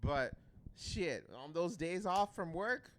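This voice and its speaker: A young man co-hosting a podcast, chatting casually in a loud, excitable and profane way. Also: a little high, slow pace, a little hiss or hum. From Canada. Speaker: podcast co-host.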